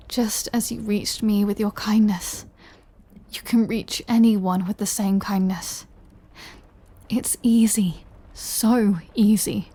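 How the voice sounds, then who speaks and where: Breathy, slow-speaking immortal vampire woman, acted out by a woman. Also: mid-range voice. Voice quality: breathy, often half-whispered. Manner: slow, hushed, emotional delivery with long pauses. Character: immortal female vampire lover, lonely, tender, remorseful. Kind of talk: intimate scripted audio roleplay.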